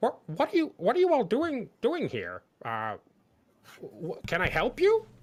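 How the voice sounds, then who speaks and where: In an assumed character voice, this man pitches his speech extremely high. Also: moderate pace. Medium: actual play. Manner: halting, nervous.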